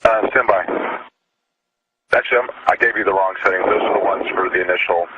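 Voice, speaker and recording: A man's voice: sits low, fairly even intonation, fairly quick. A man relaying clipped procedural instructions over a narrow, crackly radio loop like a spaceship communicator. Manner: clipped, businesslike call-outs. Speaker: mission control radio communicator. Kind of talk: terse procedural radio calls. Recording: tinny radio link with faint hiss.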